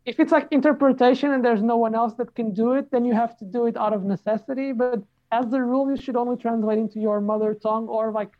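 A woman's voice: a little high, fairly even intonation, quick pace, few pauses, dull audio. A woman from Portugal who works as a translator, chatting casually with lots of fillers and restarts. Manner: chatty, many fillers and restarts, laughs easily. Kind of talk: casual podcast chat.

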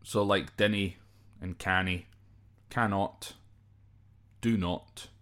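A man's voice: deep voice, fairly even intonation, takes it slowly, fairly bright tone. A Scottish man informally explaining slang from a list, off the cuff and hesitantly, sometimes spelling words out. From Scotland. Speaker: podcast host.

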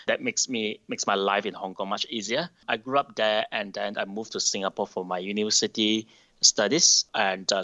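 A middle-aged man from Malaysia, answering interview questions thoughtfully, with pauses and restarts. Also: fairly low pitch, sharp tone. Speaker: podcast guest. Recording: dull lo-fi sound.

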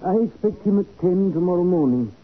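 A tinny 1940s radio recording carries a deferential manservant. His voice sits a little high for a man, and he speaks formally and politely over faint hiss. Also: animated, a little fast. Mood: earnest, respectful. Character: deferential, proper houseman to a wealthy man.

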